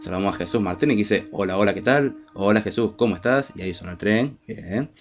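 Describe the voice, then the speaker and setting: Man, lowish voice, Rioplatense Spanish accent, stuffed up with a cold, informal live podcast host, music behind. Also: fast, muffled recording. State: congested with a cold. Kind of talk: casual live-stream podcast chat.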